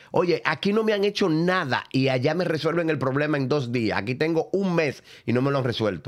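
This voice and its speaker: In an unremarkable speaking voice, a man talks fairly quickly at a fairly high pitch, with lively intonation, very even loudness and hardly any pauses. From Dominican Republic, Cotuí. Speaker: doctor. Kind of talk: interview.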